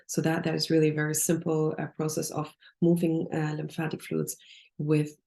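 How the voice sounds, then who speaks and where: Low, gravelly-voiced woman nutritionist. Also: completely flat delivery, normal speed, dark tone. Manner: thoughtful, many restarts and fillers. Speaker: nutritionist guest. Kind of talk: casual podcast interview.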